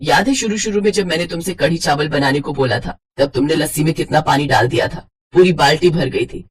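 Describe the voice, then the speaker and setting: A woman voicing a stern but caring middle-aged mother-in-law, speaking lower and firmly in an animated storybook. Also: a little fast, slightly rough. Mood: scolding. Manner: lower, firm, instructive.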